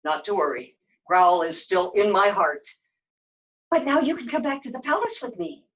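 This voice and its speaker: Puppet-show father figure, noble knight, gentle, measured, reassuring, played by a woman; dull live sound. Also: medium pitch, expressive, distant mic, close to an everyday voice.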